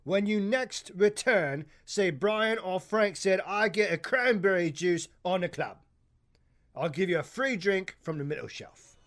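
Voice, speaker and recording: A man voicing a gruff male bartender who trades information in an audio drama, haggling and grumbling. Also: sits high, expressive, a little slow, a bit bright, pitched above the performer's own voice, exaggerated voice. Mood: announcing. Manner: grumbling, haggling, tough-talking. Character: gruff male bartender, cagey info broker.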